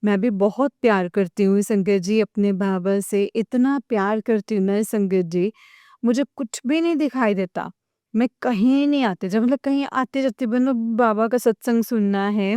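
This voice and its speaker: Speaking at a normal pace, a female devotee gives an emotional, tearful testimony, turning to the congregation again and again. Her medium-pitched voice is mellow and clean, recorded dry.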